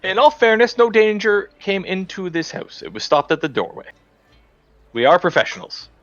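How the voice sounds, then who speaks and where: A man playing a tabletop game in character, brisk and wry. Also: sits high, sing-song, fairly bright tone, dry recording, lo-fi sound. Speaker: player. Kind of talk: in-character tabletop role-play.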